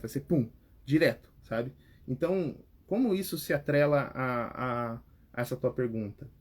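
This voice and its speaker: A young adult man with a Brazilian Portuguese accent, giving advice on public speaking as a coach in a direct, animated chat. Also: mid-range voice. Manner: animated, direct, repeats words and restarts. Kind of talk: casual advice talk.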